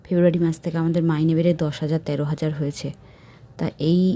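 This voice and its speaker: A woman's somewhat breathy voice carries a dark, mellow tone. She speaks with monotone, flat intonation. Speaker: para teacher and YouTuber. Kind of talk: news commentary vlog.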